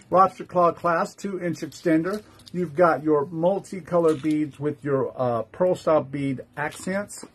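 A man's voice: on the high side, slightly rough. A man hosting a casual live-stream jewelry sale, chatty and upbeat, greeting viewers by name as he shows each piece.

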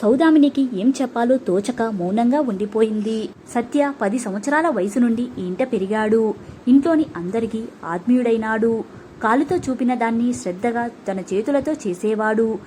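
A woman narrating an audiobook story in a calm, measured way. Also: fairly high pitch, slight background noise.

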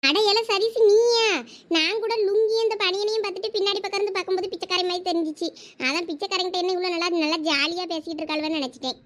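A woman playing a fast, high-voiced teasing village girl. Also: fairly even intonation. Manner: sharp-tongued, mocking, chatty. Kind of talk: comic skit acting.

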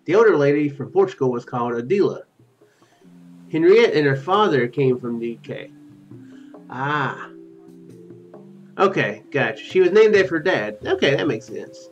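Higher-pitched, animated man, musing game host. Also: normal speed, pauses often. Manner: rambling, musing asides. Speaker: let's play host. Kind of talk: reading game text aloud with casual commentary. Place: small room at home. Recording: dull lo-fi audio with music behind. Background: game music.

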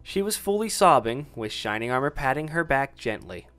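A man's voice: medium pitch, sing-song, moderate pace, a bit bright, faint music behind. A man narrating a romantic fan fiction story in a scripted, dramatic reading style.

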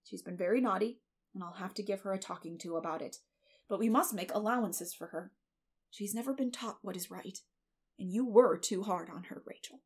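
Sensible older female guardian, read by a woman narrator: firm, dry delivery, fry-edged, unhurried storybook character. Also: mid-range voice. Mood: measured, firm. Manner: dry, measured.

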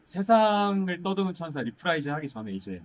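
A young man, a musical actor, chatting in a casual Q&A, pausing thoughtfully to search for words. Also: high voice, very animated. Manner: thoughtful, drawn-out pauses while searching for words. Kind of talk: casual Q&A chat. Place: indoor stage set, seated.

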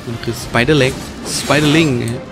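Male gamer, mid-pitched, exclamatory and playful, casual play-by-play with clear game music behind. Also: fast talker, poor audio. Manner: animated, exclamatory, playful muttering. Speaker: gameplay commentator. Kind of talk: casual let's-play commentary. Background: video game music.

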